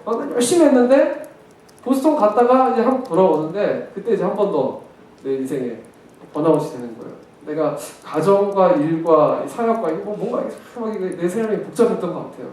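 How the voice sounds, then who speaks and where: A man's voice: sits high, a little mellow. A male pastor preaching a sermon, telling a personal story with emphatic repetition. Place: church sanctuary. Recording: very echoey church hall from far off.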